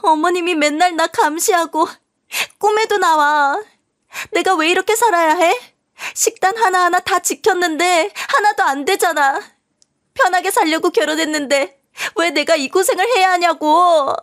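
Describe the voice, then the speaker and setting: A woman's voice: very high-pitched, normal speed, fairly bright tone, voice pushed up. A woman voicing a distraught young wife who cries and wails her complaints. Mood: wailing. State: crying. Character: young wife sobbing in despair.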